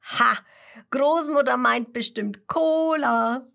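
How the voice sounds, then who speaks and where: A woman's voice: a little high, unhurried, gravelly, voice pushed up, exaggerated voice. Kasper, a woman doing an eager young puppet boy. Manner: eager, excited questions. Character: cheerful young male puppet hero, lively and curious. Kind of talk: storytelling for small children.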